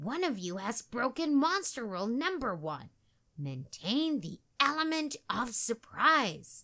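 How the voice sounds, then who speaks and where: A woman's high-pitched put-on character voice, fairly slow, with very wide pitch swings. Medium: read story. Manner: strict, formal, instructing.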